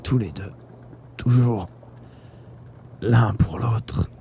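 A man voicing a dying young male student who speaks calmly and gently in a weak, breathy murmur with halting whispers. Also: fairly low pitch, slight background noise, close to an everyday voice. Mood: fading.

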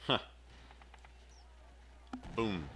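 A man's voice: very slow, bright, forceful tone, a little hiss or hum. A man giving casual commentary over his own gameplay, muttering reactions and repeating the game's lines back. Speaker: gameplay video host.

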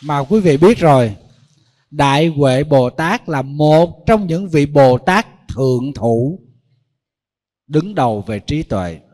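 Brief monk, fairly high voice, sermon in a reverberant hall, storytelling style. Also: male voice, lively intonation, slow, a little mellow. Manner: storytelling, addresses listeners directly. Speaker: Buddhist monk.

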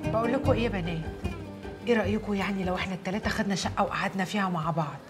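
An actress playing a wronged young maid who wails and curses, with an Egyptian accent. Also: female voice, mid-range voice, very fast, over music, lightly acted. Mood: fretful banter. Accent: Egyptian Arabic. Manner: wailing, cursing outbursts. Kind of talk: TV drama acting.

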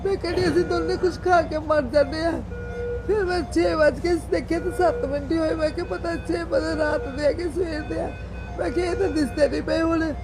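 A woman's voice: very high-pitched, steady tone, brisk, music in the background, poor audio. An elderly woman crying and pleading, speaking in a rambling, tearful way. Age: older. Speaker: elderly mother at a shelter.

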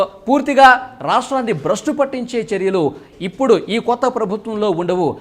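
Male news commentator, high voice, rapid fluent delivery, explanatory, leans on "so" to open phrases. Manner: fluent, explanatory, often opens phrases with English "so". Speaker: political commentator.

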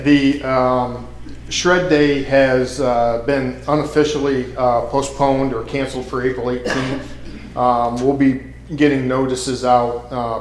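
A man working as city administrator, answering council questions in a halting way with many fillers. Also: medium pitch, slight background noise. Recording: roomy chamber sound.

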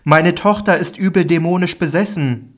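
A man voicing a desperate foreign mother who cries out, high and pleading, in a solemn Bible audiobook reading. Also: normal speed, natural voice. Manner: high, crying out loud, pleading.

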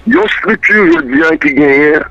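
Emphatic man with lively pitch. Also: unhurried, vocal fry, highs cut off, soft background music. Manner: emphatic, repetitive, declaiming. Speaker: political guest. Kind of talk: radio interview answers.

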